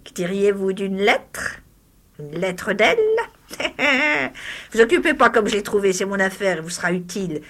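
Here the same kind of reading continues: a woman performs a short story as a disfigured, greedy, spiteful old crone with a cackling, grating voice. Her voice is animated and a bit bright, at a moderate pace. She sounds shrill, sneering and wheedling.

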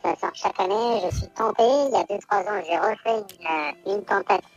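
A man speaking through a voice changer that disguises his voice, giving a hesitant, halting anonymous testimony full of fillers. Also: high-pitched, vocal fry, lo-fi sound, soft background music. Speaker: anonymous interviewee, former gaming addict. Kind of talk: recorded testimony.

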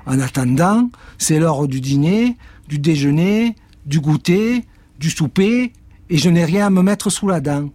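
Guy putting on a whiny starving storybook cat, highish voice, always moaning for food. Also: expressive, darkish tone, no echo. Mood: complaining. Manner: complaining, greedy, quick to protest. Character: hungry, whiny, cheeky male house cat.

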